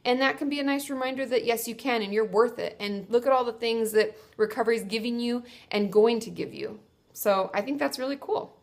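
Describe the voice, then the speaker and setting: This young woman therapist talks briskly in a slightly high voice, her nose congested. Answering questions in a casual advice vlog, she chats reassuringly and self-corrects as she goes.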